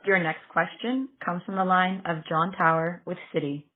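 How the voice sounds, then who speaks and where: A woman's voice: lowish voice, steady tone, normal speed, very noisy. A woman working as a conference call operator, making formal, scripted announcements. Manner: formal, procedural. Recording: narrow phone-line sound.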